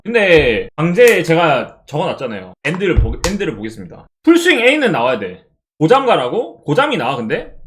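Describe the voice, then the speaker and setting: A young man streaming a mobile baseball game, who swears a lot and shouts at his card upgrades. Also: fairly high pitch, slight background noise. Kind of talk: live game streaming chat.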